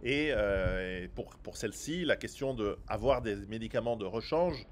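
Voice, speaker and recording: Animated man, not a native French speaker. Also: on the low side, moderate pace. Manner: rambling, animated, with many restarts and sarcastic asides. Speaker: survival author and video host. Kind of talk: direct-to-camera commentary.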